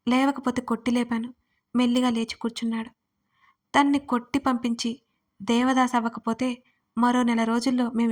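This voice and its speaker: Female storyteller, higher voice held flat and even, first-person romance narration, steady reader's pace. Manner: narrates as the heroine, speaking her own lines in quotes.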